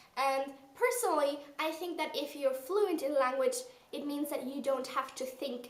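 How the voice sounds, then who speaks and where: There is audible room echo as a woman with a high pitch speaks at a moderate pace with ordinary pitch variation. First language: German. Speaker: video blogger. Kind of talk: casual advice talk to camera. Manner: casual, with many fillers.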